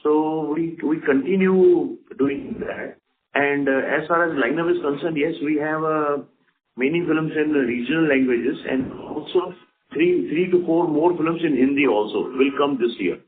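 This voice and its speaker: A man with an Indian accent answering investor questions as a company executive, repeating words and phrasing things haltingly. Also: on the high side, a little hiss or hum. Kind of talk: unscripted investor conference call answers. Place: telephone conference call. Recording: phone-like conference call audio.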